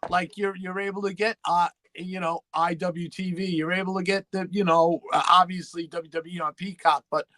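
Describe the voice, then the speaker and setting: Guy host with a pretty high voice, rambly questions, super dry sound, casual chat. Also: level tone, moderate pace, hardly any pauses, bright, forceful tone, no room sound. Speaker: host, interviewer.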